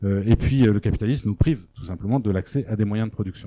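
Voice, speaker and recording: The dark, mellow tone moves at a moderate pace, with a dry, close sound and no echo. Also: man. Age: middle-aged. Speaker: university lecturer. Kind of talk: lecture. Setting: stage with audience. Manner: halting, many repetitions and hesitations.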